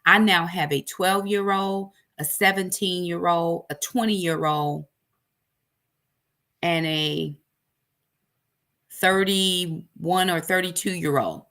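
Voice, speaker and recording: A woman's voice: on the low side, fairly bright tone. A woman, telling a personal faith story in an emphatic, preacherly way, full of repetition. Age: 40s. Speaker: ministry host. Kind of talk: personal testimony.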